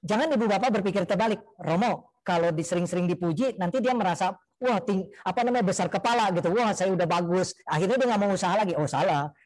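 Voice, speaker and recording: Male priest, high voice, rapid delivery, animated homily. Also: low-quality recording. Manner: lively, acts out parents and children in quoted voices. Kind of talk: homily on parenting.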